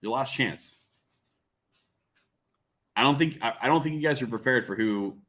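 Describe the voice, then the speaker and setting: A man hosts a casual livestream with a bright, forceful voice at a middle pitch. He is excitable and teasing, addresses the chat directly and circles back over his own phrases. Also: normal speed. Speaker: livestream host.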